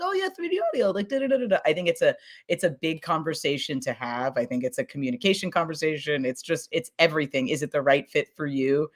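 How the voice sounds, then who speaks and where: A woman talking casually as a podcast producer in a discussion, effusive and emphatic, giggly and rambling as she goes. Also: low voice.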